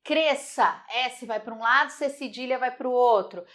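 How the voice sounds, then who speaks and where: A lively woman teaching an online grammar lesson. Her voice sits fairly high, and she repeats each example word slowly to model its sounds. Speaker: Portuguese teacher.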